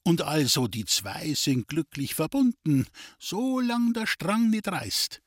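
A man's voice: fairly high pitch, big pitch swings, takes it slowly, no room sound, studio quality, pitched above the performer's own voice, heavily acted. A man voicing a sly, scheming male vagabond trickster in an audiobook, coaxing and insistent in dialect. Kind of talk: audiobook character reading.

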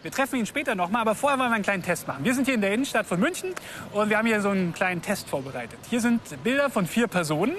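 A man's bright, high voice that swings up and down as he hosts a street report. He chats and jokes with passers-by, laughing easily, and a faint hiss sits under him from the city outside. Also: rapid-fire. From Germany. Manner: lively, chatty, laughs easily. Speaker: host. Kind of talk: street reportage and casual interviews. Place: outdoors in a city centre.

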